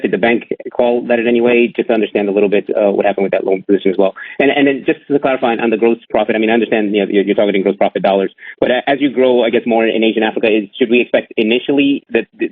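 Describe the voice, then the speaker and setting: A man asking questions as an analyst on a business call, polite, with a halting, hesitant delivery. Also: mid-range voice, husky, dry recording. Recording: narrow, tinny phone line, dry.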